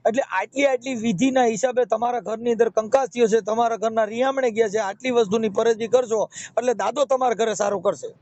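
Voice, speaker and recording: Over a muffled, noisy phone line, a man with a Saurashtra Gujarati accent works as a counselor and marriage mediator, giving advice step by step and repeating himself. His voice is very high and a little mellow, a bit fast with few pauses, and has no room sound.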